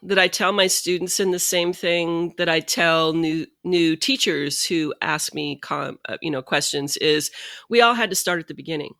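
A woman's voice: lowish voice, moderate pace, fairly bright tone, no room sound, studio quality. A middle-aged woman yoga teacher hosting a casual conversation, talking in long reflective runs and laughing easily. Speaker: podcast host, yoga teacher.

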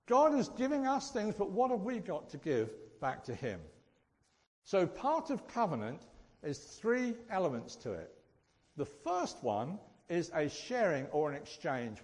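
This preacher's voice sits on the high side with a darkish tone, and his accent is from Suffolk, England. Speaking to a gathering in a big echoey hall, he keeps his teaching sermon conversational and regularly checks in with questions, the audio ringing with the room's reverberation.

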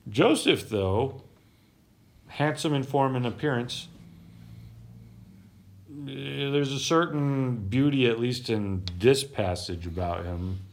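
A man with a voice of middling pitch, casually hosting a podcast about the Bible. He talks in a loose, chatty way and laughs easily. He sometimes trips over hard names as he reads them aloud. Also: animated, slow pace, pauses often. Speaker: podcast host.

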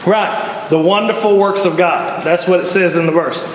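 A man's voice: high-pitched, moderate pace, a little hiss or hum. A man with a Southern US accent teaching an informal Bible class, conversational and folksy, asking his class questions. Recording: echoey hall, dull lo-fi sound.

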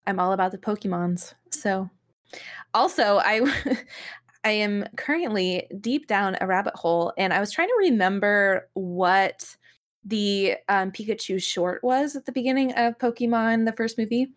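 A woman's voice: medium pitch, lively intonation, unhurried. A woman on a podcast panel chatting casually and gushingly, often correcting herself as she goes. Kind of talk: casual chat.

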